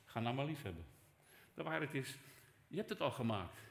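An older man preaching a sermon as pastor, conversational, dropping to soft asides and rising for emphasis. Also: mid-range voice, big pitch swings, brisk, vocal fry. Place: church hall. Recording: echoey church hall.

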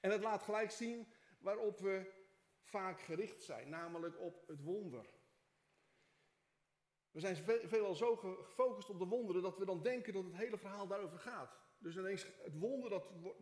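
Pastor with a slightly high voice in an echoey hall. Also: male voice, moderate pace. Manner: reads scripture expressively, prays softly with hesitations. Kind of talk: sermon with scripture reading and prayer. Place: church.

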